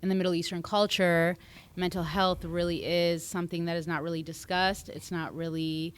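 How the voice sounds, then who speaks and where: Smooth-voiced woman therapist, hesitant. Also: fairly low pitch, little pitch movement, moderate pace. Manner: thoughtful, hesitant with many fillers. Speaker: marriage and family therapist. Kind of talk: casual panel chat.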